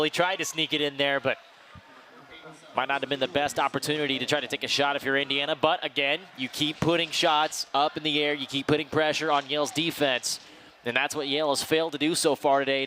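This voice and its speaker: A man's voice: a little high, pushed and bright. A man giving analytical sports commentary as the color commentator. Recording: faint ambient outdoor noise behind.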